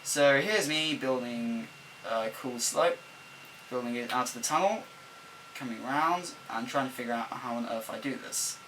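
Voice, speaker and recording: A man's voice: medium pitch, a little slow, fairly bright tone, low-quality recording. Guy on fuzzy old camcorder audio. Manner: rambling, self-correcting, chatty. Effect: recorded on an old camcorder microphone. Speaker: let's-play builder. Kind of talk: off-the-cuff game commentary voice-over. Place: at a desk at home. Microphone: camera microphone, not a desk mic. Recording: faint hum from a camcorder mic. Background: faint laptop fan hum.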